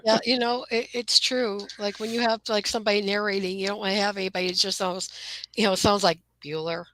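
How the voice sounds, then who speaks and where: A woman guest chatting casually about films, giggling and dropping "you know" into her sentences. Her voice is bright, and the sound is dry and close. Her pitch sits in the middle for a woman. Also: steady tone, a little fast, no echo, rough recording. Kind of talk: casual live chat.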